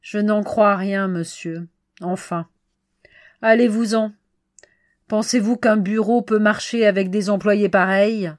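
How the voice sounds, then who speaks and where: A woman's voice: mid-range voice, steady tone, slow pace, lightly acted. A woman reading the part of a grumpy, always angry little male office chief, curt and scolding.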